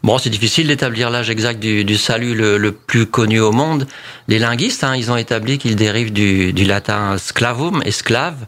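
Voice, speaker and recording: A man's voice: fairly low pitch, normal speed, a bit bright. Guy chatting, explaining word history, trips over words a bit. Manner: explains facts at length, with small restarts. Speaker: association member sharing trivia. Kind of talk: casual chat.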